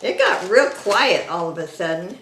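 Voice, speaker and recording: A woman selling jewelry on a live auction stream, loud and deliberate, going item by item. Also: medium pitch, very animated, echoey room, slight background noise.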